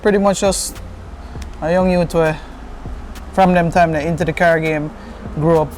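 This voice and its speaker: A man's voice: on the high side, steady tone, moderate pace, darkish tone, slight background noise. A man from Jamaica with a Jamaican accent, chatting casually in patois-flecked English as an interview guest. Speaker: interview guest, car content creator.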